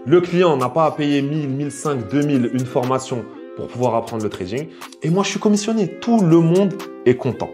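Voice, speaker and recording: A man's voice: on the high side, animated, moderate pace, darkish tone, soft background music. Boastful young man talking to camera. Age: 20s. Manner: boastful, self-assured, addresses viewers directly. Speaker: influencer and investor. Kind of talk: direct-to-camera vlog monologue.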